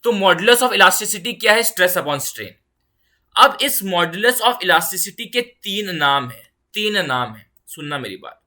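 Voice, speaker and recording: Delivering an online lecture for exam prep, a woman physics teacher speaks in a lowish, sharp voice with big pitch swings. Her quick explanations blend in English terms, she returns to key phrases, and she keeps checking in with a reassuring "ठीक है".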